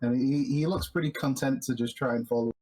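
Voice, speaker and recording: A man playing a tabletop game, describing what his character does in a halting, unhurried way. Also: mid-range voice, fairly even intonation, dark tone, poor audio. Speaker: player voicing Red.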